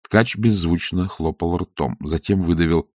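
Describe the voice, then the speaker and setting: A man reading a novel aloud with wry, expressive storytelling. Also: sits low, a little slow, dry recording, clean studio sound. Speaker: audiobook reader. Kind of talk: scripted narration.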